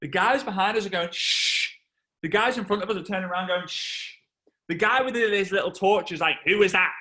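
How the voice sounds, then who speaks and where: A man from England in his thirties, a network marketing trainer telling a lively story on a video call and acting out the voices. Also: high voice, fast. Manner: animated storyteller, acts out voices and shouts.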